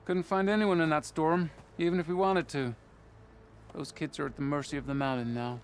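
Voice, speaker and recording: An actor playing a stern but fair tribal soldier commander in a video game, speaking in a measured, matter-of-fact way. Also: male voice, fairly high pitch, fairly even intonation, a little hiss or hum, close to an everyday voice. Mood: grave. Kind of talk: video game character acting.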